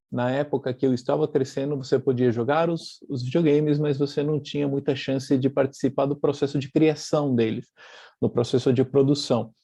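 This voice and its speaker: A guest speaker who works as a publisher delivers an online presentation by video call, with a light Argentine accent and a thoughtful manner marked by fillers and restarts. His voice is medium in pitch and dark in tone, with no echo.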